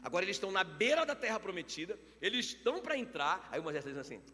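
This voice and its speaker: A man preaching a sermon as pastor, animated, questioning the congregation often. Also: high-pitched, racing, a little hiss or hum. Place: church hall. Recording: reverberant church hall.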